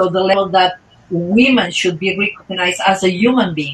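Someone with a Spanish accent speaks at a fairly quick pace. Audible room echo and light background noise are present. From Spain. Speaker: investment partner, gender equality advocate. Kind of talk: panel discussion. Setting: video call. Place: home room. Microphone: video call.

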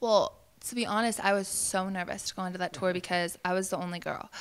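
A woman speaks at a medium pitch. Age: 20s. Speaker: singer. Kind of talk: casual chat. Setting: backstage before a concert. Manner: animated. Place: home room. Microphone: handheld.

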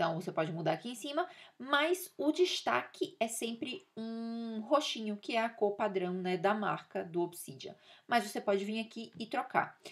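Her pitch swings very widely as she talks at a moderate pace. The woman sounds somewhat breathy against a quiet background. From Brazil. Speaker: YouTuber teaching productivity software. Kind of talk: screen-recorded tutorial. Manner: casual, conversational. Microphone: webcam.

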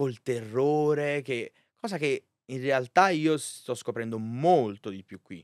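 A man with an ordinary speaking voice, medium pitch and ordinary pitch variation, at a fairly slow pace, in a dry sound with no echo against a quiet background. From Naples province, Campania, Italy; Campania, Italy. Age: 20s. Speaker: content creator. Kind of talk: interview. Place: studio. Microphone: studio mic.

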